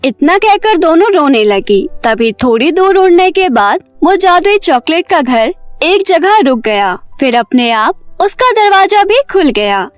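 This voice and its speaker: A woman narrating a scripted fairy tale in an expressive storybook manner. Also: very high voice, measured pace, few pauses, no echo, soft background music.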